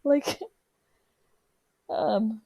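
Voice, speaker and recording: Slow-paced woman chatting casually. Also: mellow. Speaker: podcast co-host. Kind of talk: casual chat.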